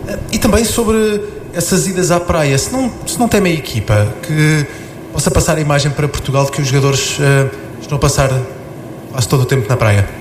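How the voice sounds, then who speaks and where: A man's voice: on the high side, fairly quick. A male radio journalist asking a long, careful question with fillers. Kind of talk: press conference question. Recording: echoey room with noise.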